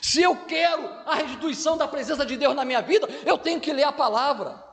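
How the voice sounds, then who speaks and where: Amid noticeable background noise, a man with an extremely high pitch speaks at a moderate pace with ordinary pitch variation. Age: 60s. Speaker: pastor. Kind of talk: sermon.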